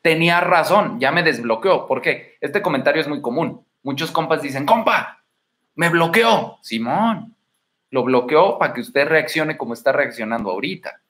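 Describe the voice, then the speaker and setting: A man with a Mexican Spanish accent talks casually to his viewers, full of slang and calling them buddy. His voice sits a little high, and the room around him is echoey. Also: moderate pace, a bit bright. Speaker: dating advice host. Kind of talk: casual livestream talk.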